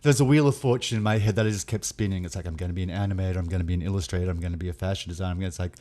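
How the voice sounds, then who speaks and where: A man from Australia with an Australian accent, a guest in casual chat, telling rambling, self-deprecating stories with quick asides. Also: sits low, warm tone.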